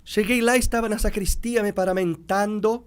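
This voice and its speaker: A middle-aged man, a priest, talking in a relaxed way and telling stories, acting out the people he quotes. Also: high-pitched, moderate pace, smooth. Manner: animated, acts out quoted people. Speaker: priest guest. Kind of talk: conversational storytelling.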